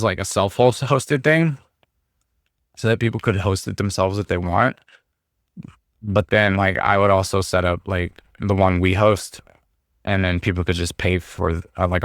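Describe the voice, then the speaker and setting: Hoarse man rambling on a livestream. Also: sits low, a bit bright, no echo, studio quality. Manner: rambling, lots of fillers. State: hoarse, recovering from illness. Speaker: streamer. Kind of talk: casual livestream talk.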